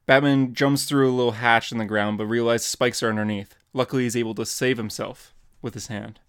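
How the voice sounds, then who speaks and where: A man's voice: mid-range voice, steady tone, fairly quick, a bit bright, clean tone. A young man co-hosting a podcast, chatting casually and narrating comic book scenes.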